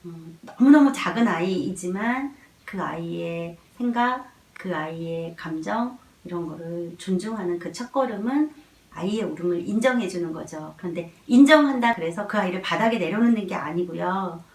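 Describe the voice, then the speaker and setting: A woman giving an earnest, gently reassuring talk on caring for babies. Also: fairly low pitch, expressive, normal speed. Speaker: parenting educator. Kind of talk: explanatory parenting talk. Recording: echoey room, mic far off.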